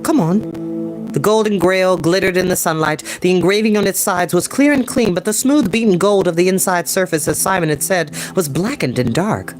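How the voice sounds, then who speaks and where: His voice is high and fairly quick, with hardly any pauses, over faint background music. A young adult man hosts a storytime, reading a book aloud with casual, slang-filled, enthusiastic asides from a small room at home lined with bookshelves and a desk.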